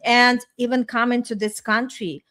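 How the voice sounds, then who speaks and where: A woman's voice: fairly high pitch, steady tone, normal speed, fairly bright tone. A middle-aged woman from Ukraine with an Eastern European accent, telling personal stories in an effusive, chatty way on a podcast. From small town in Ukraine, former Soviet Union. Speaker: podcast host and life coach. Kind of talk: casual personal storytelling in conversation.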